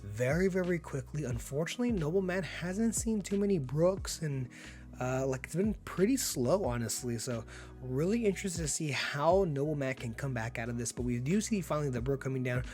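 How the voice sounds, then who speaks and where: A man getting over being sick, with a slightly hoarse voice, giving upbeat, laid-back play-by-play commentary on a card game and laughing often. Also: on the high side, animated, fairly quick, a little mellow, faint music behind.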